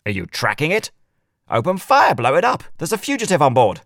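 A man's voice: lowish voice, huge pitch swings, moderate pace, fairly bright tone, no echo, clean studio sound, exaggerated voice. A man voicing a ruthless police sheriff who barks curt orders. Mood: commanding. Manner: barking orders.

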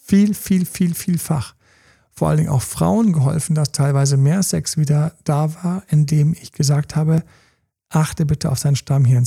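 A man's voice: a little high, gravelly, breathy edge. A man speaking as a sex coach in a conversational advice talk, emphatic and repetitive, often acting out quoted dialogue. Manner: emphatic, repeats key phrases; acts out quoted dialogue in lively voices.

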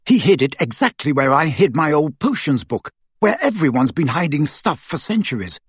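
A man's voice: fairly high pitch, very animated, normal speed, slightly rough, no room sound, full character voice. A man voicing a teenage boy hero in an audiobook story, urgent, direct and determined.

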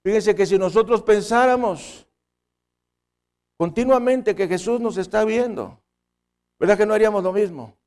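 Northern mexican pastor preaching, kinda high voice, punchy emphatic delivery. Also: male voice, normal speed, long pauses. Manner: emphatic, jumps in pitch and loudness for stress; tells humorous anecdotes. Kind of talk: sermon.

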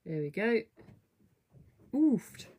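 A woman hosting a fitness studio livestream, chatting casually to viewers in a slightly croaky, rough voice, rambling with lots of fillers. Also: medium pitch, big pitch swings, drawn-out words, warm tone, slight background noise. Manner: chatty, rambling, self-deprecating, many fillers. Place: home, at a desk. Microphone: webcam or computer mic at a desk.

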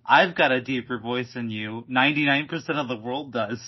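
A man's voice: medium pitch, normal speed, slightly rough. A man co-hosting a podcast in casual chat, hesitant and full of likes and restarts. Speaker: podcast co-host. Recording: dull lo-fi podcast audio.

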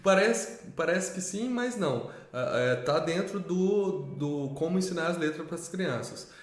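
A man's voice: on the high side, animated. A man, co-hosting a casual educational live chat. He tells classroom stories and agrees readily with short affirmations. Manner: storytelling, agreeable, quick affirmations. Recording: very echoey room.

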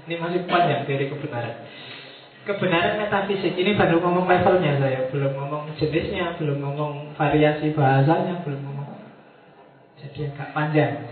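A man giving a casual, joking lecture to a university class, speaking to the students directly. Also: fairly high pitch. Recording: distant mic, tinny, very echoey room.

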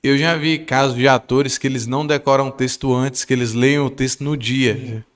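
A man with a Brazilian Portuguese accent hosting a casual podcast chat, relaxed, teasing and slangy. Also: mid-range voice, normal speed. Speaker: podcast host.

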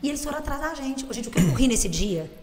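A woman, a teacher and football fan, telling stories in a casual chat, animated and swearing freely. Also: sits high, fast talker, music in the background. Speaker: guest. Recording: hall reverb.

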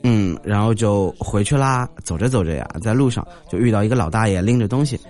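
A young man in his twenties who tells comic stories in a monologue. He talks in an animated way and often jumps into high character voices. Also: fairly quick. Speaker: comedic storyteller.

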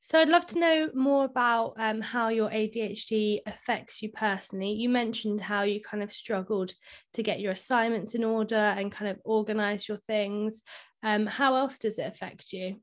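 A woman's voice: medium pitch, moderate pace. A woman hosting a podcast, asking friendly, long questions full of fillers. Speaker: podcast host. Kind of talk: podcast interview.

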